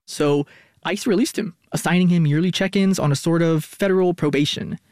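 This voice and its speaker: A male reporter narrates a news feature in a measured, scripted way. His voice sits a little high for a man and sounds dry and close, with no room around it. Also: a little mellow, dry recording. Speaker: radio reporter.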